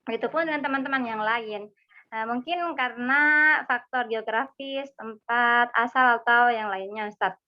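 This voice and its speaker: A woman's voice: on the high side, normal speed, dull audio, faint music behind. A young woman with a Madurese accent, a student politely asking a rambling, hesitant question in an online class.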